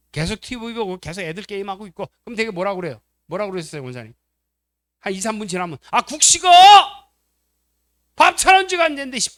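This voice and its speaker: A man's voice: on the high side, dry recording. A male pastor preaching at a family seminar in a church, telling stories animatedly, acting out quotes and putting questions to the congregation.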